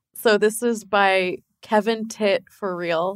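An unremarkable speaking voice, fairly slow and with ordinary pitch variation, in a dry, close sound with no echo. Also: woman. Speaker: comedian. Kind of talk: casual chat.

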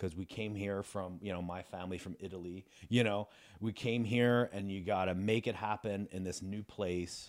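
A man with a normal speaking voice talks at a moderate pace in a fairly low pitch, his intonation fairly even, on a very clean recording with a silent background. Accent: American. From Philadelphia, US East Coast. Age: 40s. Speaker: stand-up comedian. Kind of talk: casual chat.

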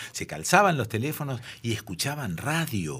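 The man's pitch swings very widely, with vocal fry in his voice. He speaks at a fairly slow pace. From Argentina, Rosario. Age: 60s. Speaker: radio broadcaster and journalist. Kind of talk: interview conversation.

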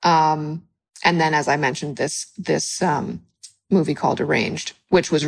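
In an American accent, the speaker talks with vocal fry. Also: woman. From Brooklyn, New York. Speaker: actor and filmmaker. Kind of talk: casual chat.

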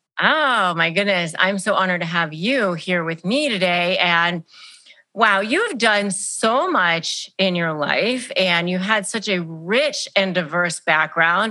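A woman speaks very slowly at medium pitch. Her bright, sharp tone shows ordinary pitch variation. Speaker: podcast host. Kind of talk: podcast interview. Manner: enthusiastic.

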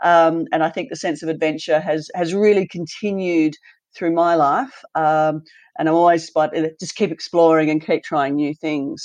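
A woman's fairly low voice at a fairly slow pace against a quiet background. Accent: Australian. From Tasmania, Australia. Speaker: non-profit CEO. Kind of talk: casual interview.

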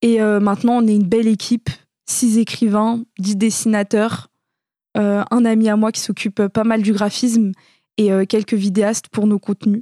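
A woman with a fairly high pitch and a dark, mellow tone speaks at a fairly slow pace in a monotone, flat way. The sound is dry and close with no echo, over a quiet background. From Paris suburbs (Nanterre, Hauts-de-Seine) and Lorraine. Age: 20s. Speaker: student and founder of a youth association. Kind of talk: interview.

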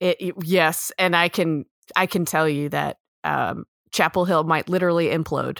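In a very clean recording with a silent background, a woman with an American accent speaks at a moderate pace in a fairly low, monotone voice with flat intonation and vocal fry. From North Carolina. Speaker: sports podcast host. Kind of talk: casual chat.

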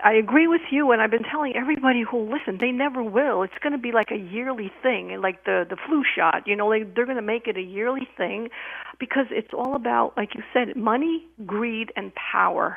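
In a New York accent, a woman speaks fairly quickly with hardly any pauses, a fairly high pitch and ordinary pitch variation. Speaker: caller. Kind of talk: call-in opinion. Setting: phone call.

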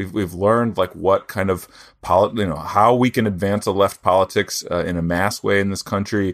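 On a very clean recording with a silent background, a man with an American accent and an ordinary speaking voice talks at a fairly quick pace, his pitch fairly low with ordinary variation. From West Michigan. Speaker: magazine editor and author. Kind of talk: interview.

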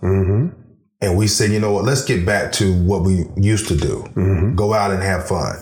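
Audible room echo surrounds a man with a fairly low pitch who speaks at a moderate pace with very even loudness and fairly even intonation. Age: 40s. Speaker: podcast host. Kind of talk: casual chat.

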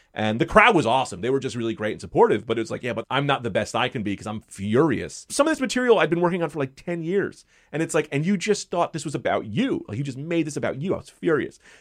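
On a very clean recording with a silent background, a man talks at a very fast pace with hardly any pauses, his fairly high pitch making very wide swings. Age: 30s. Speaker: stand-up comedian. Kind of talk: casual interview chat.

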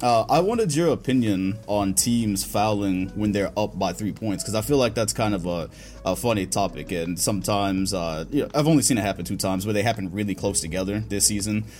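With music in the background, a man talks at a fairly quick pace in a fairly low voice, with ordinary pitch variation and hardly any pauses. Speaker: podcast host. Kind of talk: casual chat.

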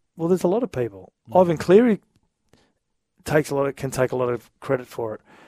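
A man with an Australian accent, a fairly high pitch, very wide pitch swings, a very fast pace, and long, frequent pauses. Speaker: former rugby league player and commentator. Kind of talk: casual chat.

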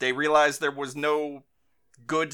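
Bright and sharp in tone, a man's fairly high voice moves at a moderate pace with fairly even intonation on a very clean recording with a silent background. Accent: American. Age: 30s. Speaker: podcast host. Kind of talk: casual chat.

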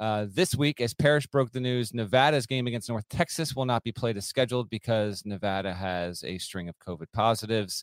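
In a plain, everyday voice, a man at medium pitch talks at a fairly quick pace with hardly any pauses and ordinary pitch variation, the sound dry and close with no echo. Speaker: sports podcast co-host. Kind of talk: casual chat. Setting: remote recording from home.

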